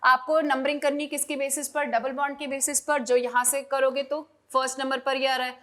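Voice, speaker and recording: High-voiced woman teaching chemistry. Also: little pitch movement, fairly quick, fairly bright tone. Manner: repeats each step, asks and answers own questions. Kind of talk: online lesson.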